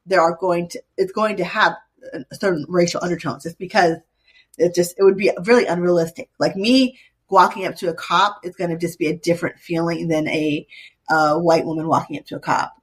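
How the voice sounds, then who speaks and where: Chatty husky woman in her forties. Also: lowish voice, steady tone, a little fast. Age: 40s. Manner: chatty, many fillers and restarts. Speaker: guest author. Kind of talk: casual interview chat.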